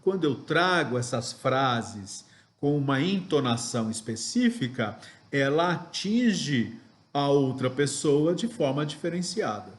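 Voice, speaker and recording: Male sales trainer, unhurried didactic delivery, rhetorical questions, mid-range voice. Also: medium pitch, big pitch swings. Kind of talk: recorded training lesson.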